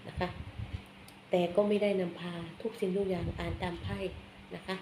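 A woman's voice: lowish voice, flat delivery, normal speed. Chatty woman reading tarot, echoey room. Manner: chatty, blunt, ends phrases with polite particles. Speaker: tarot reader. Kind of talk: casual tarot reading monologue. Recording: echoey room, faint background noise.

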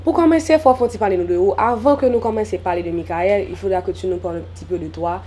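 A young adult woman hosting a TV magazine interview, asking friendly, steady questions on a home veranda with a lapel mic. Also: mid-range voice, fast. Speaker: TV magazine host.

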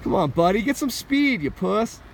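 A man filming a casual vlog from a car and outdoors, talking excitedly with lots of "dude" and "like". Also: high-pitched, normal speed, gravelly, a little hiss or hum. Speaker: vlogger. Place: in a car and outdoors at a ski resort.

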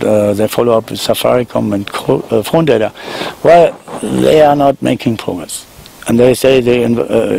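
A German man in his sixties with a German accent, making an earnest, halting appeal in an interview, recorded outdoors on a handheld mic. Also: medium pitch, vocal fry, a little mellow, slight background noise, rough recording. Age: 60s. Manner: earnest, halting, with many restarts. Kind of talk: emotional appeal in a news interview. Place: outdoors among garden shrubs. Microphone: handheld microphone held below the frame.

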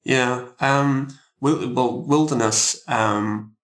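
A man speaking casually as an interview guest, thoughtful and halting, pausing often as he explains his composing work. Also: mid-range voice, a bit bright.

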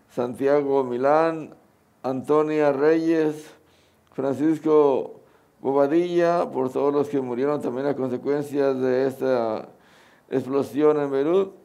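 A man's voice: medium pitch, steady tone, takes it slowly, gravelly, warm tone. A middle-aged man with a Mexican Spanish accent, speaking as a Catholic priest at Mass. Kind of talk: sermon and prayers at Mass. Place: outdoors under a canopy at an altar.

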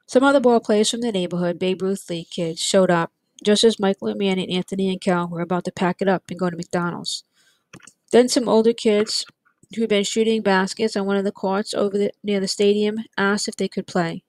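A woman reading a chapter of a novel aloud, in steady, plain storytelling. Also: medium pitch, fairly quick, dry recording. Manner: steady, plain storytelling with light character voices. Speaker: audiobook reader. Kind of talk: read-aloud narration.

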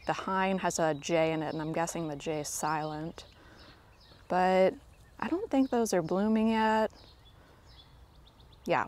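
A woman giving a casual walking tour of her home garden, chatty and self-deprecating, talking to viewers like friends, recorded outdoors on a handheld phone. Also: lowish voice. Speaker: garden vlogger. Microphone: handheld phone camera, speaker off screen.

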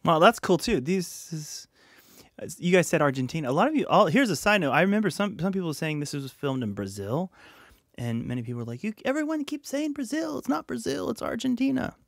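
A man's voice: sits high, very animated, fairly quick, creaky, dry recording, clean studio sound. Chatty man reacting to music. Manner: chatty, rambling, frequent fillers and restarts. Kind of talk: casual reaction commentary. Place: small home studio room. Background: faint music playing.

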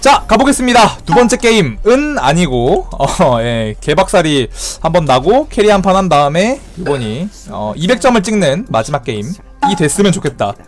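A man streaming a video game with live commentary, excitable and trash-talking playfully, shouting sound effects between slow remarks. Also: on the high side. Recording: game music playing behind.

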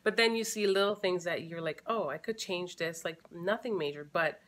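A woman in her thirties talks casually to a camera set close in front of her at home. Her voice sits a little low, and she thinks aloud as she goes, full of fillers and restarts. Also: moderate pace, a bit bright. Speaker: family vlogger. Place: living room at home.

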